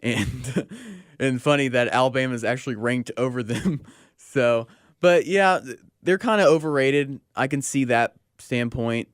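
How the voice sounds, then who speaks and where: A young American man chats loosely on sports talk radio, full of slang and conversational ease. His medium-pitched voice is unhurried and recorded very dry, with no echo and hardly any room sound.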